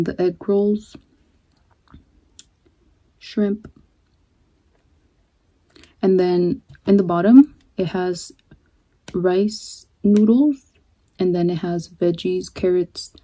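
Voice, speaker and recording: A young woman talks to her camera from her bedroom, easygoing and a little scattered, drifting between thoughts with fillers. Her voice is dark and mellow with a husky edge, and she takes her time over every phrase. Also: on the low side, steady tone. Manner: chatty, unhurried, trailing off with fillers. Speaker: vlogger. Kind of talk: casual mukbang chat.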